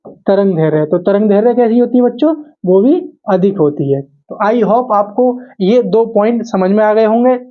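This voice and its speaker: A man's voice: high-pitched, dark tone. A man teaching a physics class, repeating key phrases and asking questions that he answers himself. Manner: repetitive, asks questions and answers them himself. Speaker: physics teacher for exam coaching. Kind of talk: classroom lesson to camera. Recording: dull lo-fi audio.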